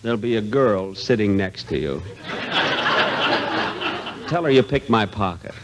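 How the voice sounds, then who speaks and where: An actor playing a scheming, excitable ticket hustler in an old-time radio comedy. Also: male voice, lowish voice, unhurried. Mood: wheedling. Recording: noisy old radio recording.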